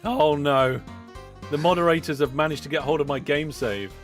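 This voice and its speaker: A man's voice: fairly high pitch, normal speed. A man hosting a live game stream, chatting through his play, reading out viewer messages and reacting with mock alarm. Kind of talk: live gameplay commentary. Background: background music.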